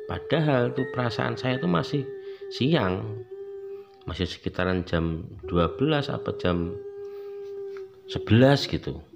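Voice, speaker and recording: A man tells a true ghost story casually in the first person and acts out the quoted voices. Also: lowish voice. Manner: chatty, acts out quoted voices with rising excitement. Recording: slightly dull lo-fi sound, faint background noise.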